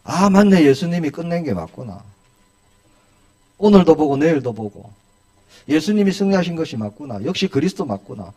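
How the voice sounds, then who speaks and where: A man's voice: fairly high pitch, very animated, moderate pace, long pauses, mellow. A male pastor preaching a sermon in a church, asking his congregation one rhetorical question after another.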